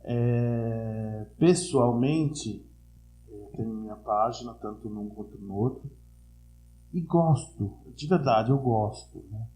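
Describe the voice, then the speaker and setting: A man in his sixties from Brazil with an Italian-influenced São Paulo accent, chatting casually as an interview guest and telling stories in a slangy, animated way. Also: mid-range voice, slow pace. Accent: Italian-influenced São Paulo Portuguese. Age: 60s. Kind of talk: casual chat. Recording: roomy, echoey sound.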